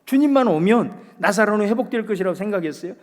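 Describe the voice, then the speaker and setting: A man preaching in a high-pitched voice, moving from loud, ringing declarations to near-whispers. His words ring out in a long church reverb. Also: lively intonation, quick pace. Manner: dramatic preaching, swinging between loud proclamation and hushed speech. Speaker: pastor. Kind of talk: sermon.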